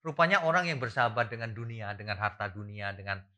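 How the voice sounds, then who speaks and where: A middle-aged man preaching a sermon as a pastor, asking the congregation questions and swinging from quiet asides to loud exclamations. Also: lowish voice, expressive, fast talker.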